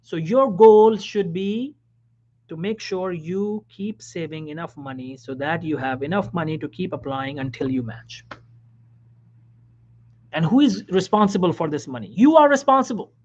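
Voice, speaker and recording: A man, a physician, giving career advice in a motivational talk, emphatic and repetitive, dropping now and then to a soft whisper. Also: a little high, measured pace. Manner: emphatic, repeats key phrases, drops suddenly to soft whispers. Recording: dull lo-fi recording.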